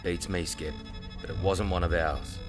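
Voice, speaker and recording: An actor plays an easygoing, folksy crewman in a sci-fi drama. His voice is very low and casual, drily understated, with slight music behind. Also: fairly even intonation, normal speed, close to an everyday voice. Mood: plain-spoken. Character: laid-back, folksy, loyal crewmate. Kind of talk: audio drama acting.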